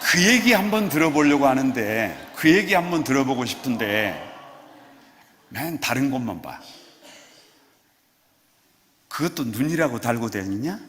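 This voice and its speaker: A male pastor preaching a sermon in a playful, animated way, coaxing the congregation to answer him. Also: medium pitch. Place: church sanctuary. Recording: long church hall reverb.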